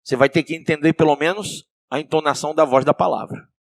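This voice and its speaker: A male pastor with a Brazilian accent preaching a sermon, asking the congregation questions and swinging between soft and loud. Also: fairly high pitch, fairly even intonation, fast talker, gravelly, no echo, clean studio sound. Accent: Brazilian Portuguese.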